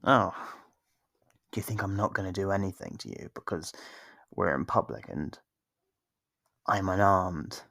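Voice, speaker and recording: A performer voicing a teasing, condescending, possessive vampire in an ASMR roleplay, slow and smug with a husky voice. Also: low voice, a bit bright, dry recording, studio quality, full character voice. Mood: gloating, menacing.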